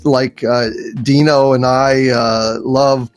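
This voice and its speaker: A man chatting casually as a guest on a panel, speaking in a halting, enthusiastic way. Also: mid-range voice, fairly even intonation. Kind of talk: casual chat.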